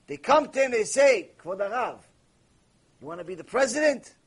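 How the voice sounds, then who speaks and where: A man's rather high, husky voice teaches a Torah class. He keeps putting questions to the room and answering them himself, with Hebrew terms mixed into his English. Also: very animated, moderate pace. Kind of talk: lively recorded Torah lecture.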